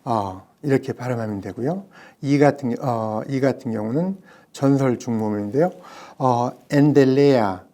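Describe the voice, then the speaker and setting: A male professor giving a recorded pronunciation lecture, speaking deliberately with frequent hesitations and pauses. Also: medium pitch, dark tone. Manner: slow, deliberate, many hesitations.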